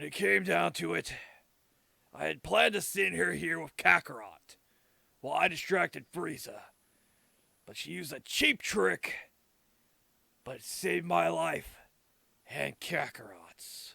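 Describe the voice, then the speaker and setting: Putting on a raspy character voice at a medium pitch, a man speaks at a moderate pace with very wide pitch swings, big swings in loudness, and long, frequent pauses. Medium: audio drama. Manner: blunt, gruff.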